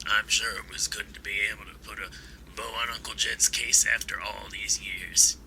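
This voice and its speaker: An actor playing a kindly, folksy old man in an audio drama, talking in an unhurried way. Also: lowish voice, steady tone, gravelly, pushed and bright, slight background noise, heavily acted, rough recording. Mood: warm, reflective. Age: older.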